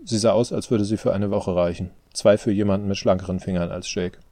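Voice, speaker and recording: A man reading a novel aloud in steady, measured scripted narration. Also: sits low, dry recording, clean studio sound. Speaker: audiobook narrator.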